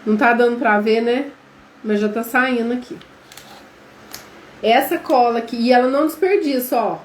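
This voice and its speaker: A woman's voice: a little high, moderate pace. A Brazilian woman teaching a live online class, chatty and quizzing her viewers. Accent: Brazilian Portuguese. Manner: chatty, addresses viewers as gente, quizzes them. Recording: echoey room with faint background noise.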